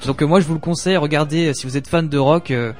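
A man's voice: a little high, fairly even intonation, fast, darkish tone, faint music behind. A man co-hosting a gaming podcast, talking in a rambling way with lots of hesitation. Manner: rambling, hesitant with many fillers. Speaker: podcast co-host. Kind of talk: casual gaming podcast chat.

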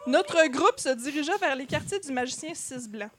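A woman's voice: high voice, lively intonation, normal speed, background noise. A woman from Montreal with a Québécois accent, narrating a comic parody story in a playful, mock-epic tone. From Montreal, Quebec. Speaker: comedian reading a parody story.

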